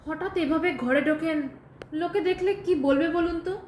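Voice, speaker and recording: Echoey radio play actress as upset dignified lady, high voice, halting, very polite. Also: darkish tone. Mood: guarded, polite. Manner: emotional, halting, formally polite. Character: dignified, distressed woman refusing an unwanted suitor. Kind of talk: Bengali audio drama acting. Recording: roomy echo, faint background noise.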